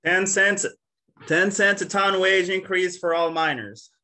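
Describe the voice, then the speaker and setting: A man doing a shouting miners' messenger. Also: high-pitched, a little slow, voice pushed up, full character voice. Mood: excited. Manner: shouting, excited announcement. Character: excited male miner messenger announcing wages. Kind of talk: table read.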